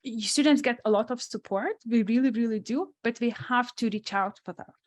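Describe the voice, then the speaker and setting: A woman's voice: a little high, a little fast. A woman with a strong non-native accent, a sports psychologist answering questions on a webinar panel in a thoughtful, restarting way. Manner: thoughtful, many restarts and asides.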